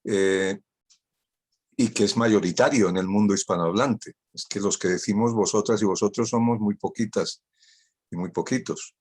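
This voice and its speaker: Witty older Spanish man, low voice. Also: moderate pace, darkish tone, husky. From Spain. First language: Catalan. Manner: witty, ironic, repeats key phrases for emphasis. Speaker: guest speaker. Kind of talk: online talk.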